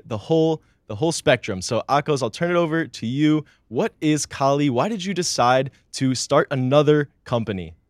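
An upbeat man hosts a live-streamed interview show, reading chat comments aloud between fillers. His voice sits at an ordinary pitch. The sound is dry and close, with no room around it. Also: dry recording. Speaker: podcast host.

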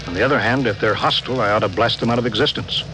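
A man's voice: medium pitch, rapid-fire, over music, close to an everyday voice. An actor playing a stern male starship captain in a 1950s radio drama, giving orders in clipped, grave tones over a noisy broadcast. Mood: grave commanding.

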